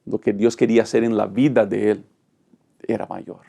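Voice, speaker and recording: A man's voice: on the low side, fairly even intonation, normal speed, creaky, dark tone. A middle-aged male pastor, teaching a Bible study lesson with dramatic, emphatic delivery and rhetorical lists.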